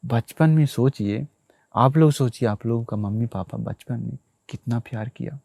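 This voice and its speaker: A monk preaching a sermon to listeners, telling a story, repeating phrases and addressing them directly. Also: male voice, medium pitch, moderate pace, gravelly, dark tone, dry recording.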